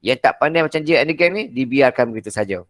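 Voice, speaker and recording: A man's voice: medium pitch, lively intonation, quick pace, dry recording. A man with a Malaysian Malay accent, a maths teacher giving a casual seminar talk, blunt and direct, acting out exchanges with students and often saying "okey".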